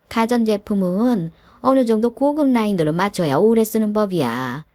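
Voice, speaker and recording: A woman voicing a greedy, domineering middle-aged mother-in-law in a dramatized story reading, with a shrill, scolding delivery. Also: dark tone, dry recording. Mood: bossy.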